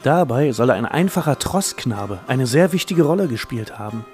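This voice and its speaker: A man's voice: mid-range voice, animated, normal speed, darkish tone, faint music behind. A man co-narrating a scripted history documentary in an informative way.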